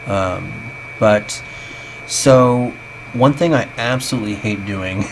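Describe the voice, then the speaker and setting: A man's voice: lowish voice, slow pace. A man in his thirties narrating a casual, chatty, self-deprecating vlog voice-over on a basic home microphone, sounding tinny, as if through a tin can. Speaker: vlogger. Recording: tinny home voice-over, clear background noise.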